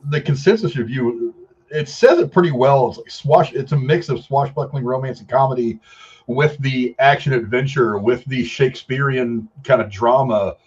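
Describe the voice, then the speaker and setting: A man's voice: medium pitch, normal speed, a little mellow, husky, dull audio. A man hosting a film review show, chatting casually and gushing with emphatic repetition.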